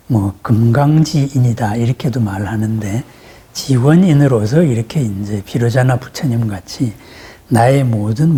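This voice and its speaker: A man's voice: mid-range voice, dark tone, husky. A man giving a teaching sermon on meditation practice. He explains step by step and keeps checking in with his listeners through short questions. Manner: conversational, uses rhetorical questions. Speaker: Buddhist teacher.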